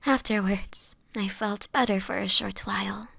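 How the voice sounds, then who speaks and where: A woman playing a sickly, gentle homeless woman turning vampire in an intimate audio roleplay, with a whispery, hesitant delivery. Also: mid-range voice, fairly even intonation, no room sound, full character voice. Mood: guilty, confessional. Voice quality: breathy, whispery. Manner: halting, hesitant, fragile delivery.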